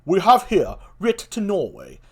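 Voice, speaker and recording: A man acts out a genial but commanding king in Shakespearean verse. He declaims in a fairly high male voice, with lively swings in pitch. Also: a little slow, husky, full character voice. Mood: regal, commanding. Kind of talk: theatrical Shakespeare reading.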